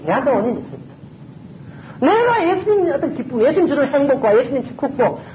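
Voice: sits high, reverberant, highs cut off, slight background noise. A pastor delivering an emphatic sermon, often repeating key phrases for stress.

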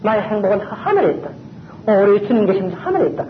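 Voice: mid-range voice, huge pitch swings, fast talker, echoey room, muffled recording, slight background noise. A pastor delivering an emphatic sermon, often repeating key phrases for stress.

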